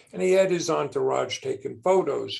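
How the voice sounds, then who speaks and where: A man speaks at a moderate pace. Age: 60s. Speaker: business founder, father of co-founder. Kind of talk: podcast interview.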